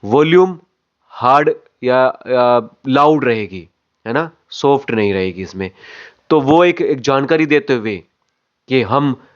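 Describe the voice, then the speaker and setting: A man's voice: mid-range voice, lively intonation, slow, highs cut off. A man coaching acting, explaining phrase by phrase and repeating words for emphasis. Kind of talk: explanatory lesson on voice modulation.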